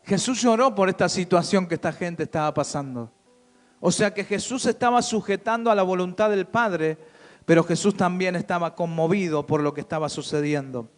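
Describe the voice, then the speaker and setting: Man, pastor, sermon, high voice, rhetorical questions, soft music underneath. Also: moderate pace. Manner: preaching with rhetorical questions to the congregation.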